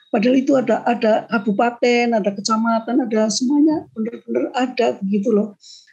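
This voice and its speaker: A woman's fairly high-pitched voice, a normal speaking voice, at a fairly quick pace with hardly any pauses, ordinary pitch variation and very even loudness. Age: 60s. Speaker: writer, workshop participant. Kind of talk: audience question.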